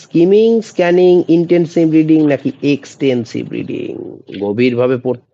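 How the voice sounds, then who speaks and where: A male teacher from West Bengal running a live online exam-prep class, reading quiz questions slowly and teasing students by name. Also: fairly high pitch, mellow, lo-fi sound. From West Bengal, India. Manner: reads English quiz questions slowly, then quizzes quickly in Bengali.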